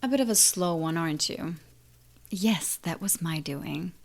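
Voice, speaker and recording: A woman's voice: fairly low pitch, expressive, unhurried, creaky, full character voice. A woman playing an ancient, menacing siren in an audio drama, taunting and condescending with a theatrical drawl. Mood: smug, taunting. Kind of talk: audio drama villain acting.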